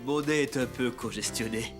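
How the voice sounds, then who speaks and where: A man voicing a kind father with a cold in a cartoon dub, his nose congested, gentle and playful. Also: mid-range voice, moderate pace, over loud music, close to an everyday voice. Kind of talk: French cartoon dubbing.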